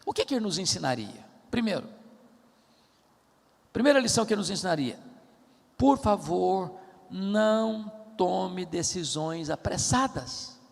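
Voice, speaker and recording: Brazilian pastor man preaching, emphatic storyteller, husky voice, long echo in a big church. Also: high-pitched, lively intonation. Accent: Brazilian Portuguese. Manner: emphatic storytelling, drawn-out stressed words. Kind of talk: sermon. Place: large church auditorium. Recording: reverberant church hall.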